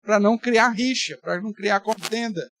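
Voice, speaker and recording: A man's voice: sits high, normal speed, a bit bright, a little hiss or hum. A man, a pastor teaching a Bible study in a conversational way with playful exaggeration. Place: church.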